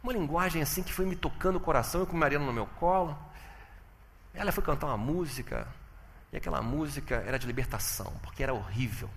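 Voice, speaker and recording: A man giving a testimony sermon, telling his story with animated swings from loud exclamations to hushed tones. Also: on the high side, fast talker, long reverb tail, a little hiss or hum.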